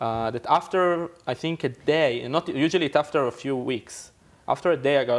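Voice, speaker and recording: Over a very clean recording with a silent background, a man with an Israeli accent speaks at a moderate pace with ordinary pitch variation. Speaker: cultural emissary. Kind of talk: TV interview. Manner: halting.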